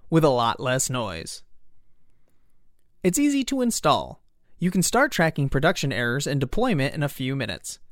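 Male ad reader, animated intonation, dry studio-close sound, scripted sponsor spot. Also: fairly high pitch, dry recording. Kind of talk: scripted podcast ad read.

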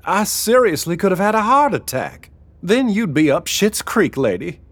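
A man's voice: high-pitched, sing-song, moderate pace, voice pushed up. A man voicing a nervous, rambling middle-aged fisherman who jokes under pressure. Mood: rattled. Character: jittery joking middle-aged male fisherman.

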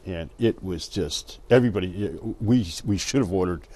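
A man's voice: sits low, moderate pace, dark tone. A man on a restaurant review panel, enthusiastic and restarting his sentences often. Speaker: show panelist.

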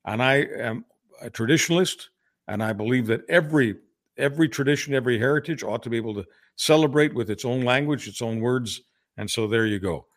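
A man's voice: mid-range voice, fairly quick. An older man born in Hungary, co-hosting a political podcast, speaking earnestly and often restarting his phrases. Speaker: podcast co-host. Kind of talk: casual political discussion.

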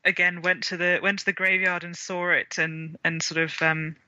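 A man's voice: high voice, level tone, moderate pace, sharp tone, dry recording. A man from Wales, a guest on a video call, talking casually with many fillers, restarts and small laughs, on a dull lo-fi line. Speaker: author and illustrator guest. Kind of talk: casual interview chat. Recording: dull lo-fi dry sound.

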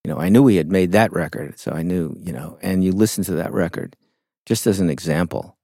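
Middle-aged guy, low gravelly voice, slow reflective storytelling, dry close mic. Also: warm tone, no echo. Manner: reflective, unhurried, with frequent fillers. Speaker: interview guest, songwriter. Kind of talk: conversational interview storytelling.

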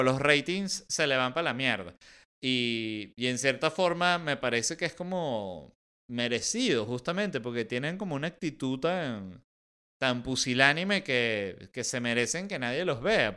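A man's voice: mid-range voice, pushed and bright, smooth. A man with a Venezuelan accent hosting a podcast, talking in a casual, sarcastic comedic monologue and swearing freely. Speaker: podcast host.

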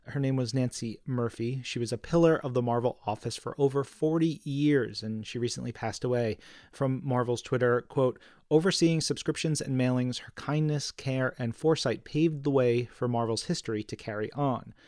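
A man's voice: mid-range voice, normal speed, a little mellow, dry recording, studio quality. A man hosting a podcast, reading scripted segments as a presenter. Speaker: podcast host.

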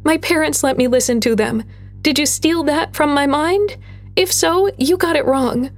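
A woman's voice: sits high, measured pace, a little mellow, faint music behind, voice pushed up. A woman voicing a brave young girl scout who speaks in a raised, earnest, pleading way.

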